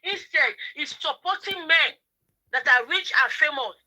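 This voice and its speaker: A woman's voice: high voice, lively intonation, unhurried, bright, forceful tone, rough recording. A woman with a Nigerian accent calling in, speaking indignantly and scolding. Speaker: caller. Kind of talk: casual chat.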